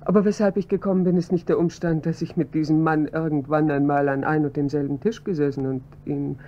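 A woman's voice: low voice, fairly even intonation, brisk, warm tone, natural voice. A woman playing a composed pharmacist witness. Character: composed female head pharmacist, adult woman. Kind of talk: radio drama acting. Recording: dull, slightly noisy audio with hum.

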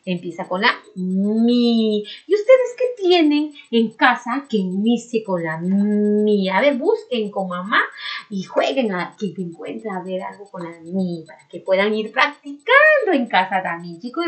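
A woman teaching a remote lesson to four-year-olds, speaking slowly in a sing-song way and chanting syllables for the children. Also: mid-range voice. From Peru. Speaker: preschool teacher.

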